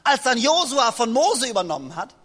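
Man, preacher, lively joking sermon, talks straight to the congregation, long hall reverb. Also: very high voice, moderate pace. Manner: lively, joking, addresses listeners directly. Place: church hall.

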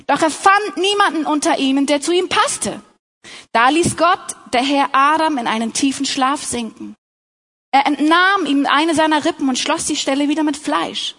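A woman's voice: high-pitched, moderate pace, fairly bright tone. A young adult woman giving an earnest, personal sermon, talking directly to other women in her audience. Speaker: speaker at a Christian talk.

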